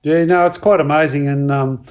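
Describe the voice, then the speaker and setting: A man's voice: on the high side, steady tone, moderate pace. Man, Australian accent, modest, hesitant, lots of fillers, casual chat, slightly dull audio. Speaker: guest axe and knife maker.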